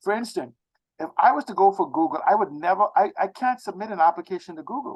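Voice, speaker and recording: With a very fast pace and lively intonation, a man speaks at a high pitch in a dry, close sound with no echo. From Bahamas. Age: 60s. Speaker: tech expert and futurist. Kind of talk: interview. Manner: halting, many repetitions.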